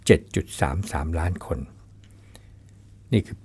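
A man hosting a radio program, speaking in a measured, polite way as he reads out statistics in a scripted commentary. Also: darkish tone. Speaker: radio host.

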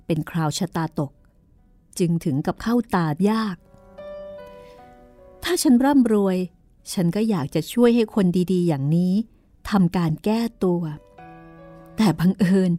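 A woman voicing a travelling-troupe owner who tells fortunes, speaking slowly and sympathetically. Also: fairly low pitch, expressive, warm tone, soft background music. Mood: gentle.

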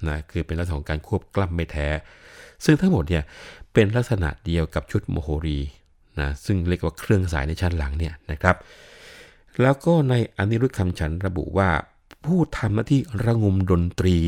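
An older man lectures on classical literature in a deep, low voice. He explains patiently and often adds polite particles. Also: lively intonation, a little fast, a little mellow. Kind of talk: explanatory talk.

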